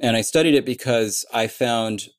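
A man's voice: medium pitch, normal speed. A man in an interview explaining how he built a language, thinking aloud with many fillers and restarts. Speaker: conlang creator answering questions.

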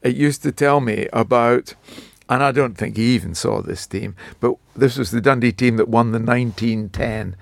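A man in his seventies with a croaky voice, a retired football writer telling rambling, self-mocking stories in a casual chat. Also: mid-range voice, moderate pace, hardly any pauses, no echo. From Scotland. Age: 70s.

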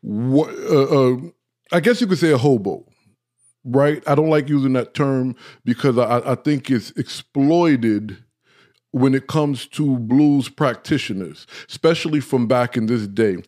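A man hosts an informal talk and speaks directly to his viewers. His voice is dark and mellow, sitting in an ordinary middle pitch. He keeps checking in with the audience as he goes, and he sometimes trips over his words when he gets worked up. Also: measured pace. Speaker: host. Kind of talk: casual talk, live-stream lecture.

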